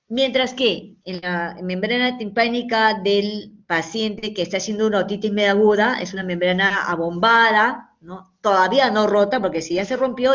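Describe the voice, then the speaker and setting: A woman's voice: mid-range voice, a bit bright. A woman giving a medical lecture to students, explaining patiently and often checking in with short questions. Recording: dull lo-fi recording.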